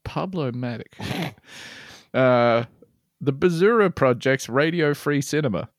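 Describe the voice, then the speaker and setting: A man's voice: mid-range voice, expressive, slow, no room sound. A man co-hosting a comedy podcast, reading listener mail aloud with dry asides and frequent laughs. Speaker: podcast co-host.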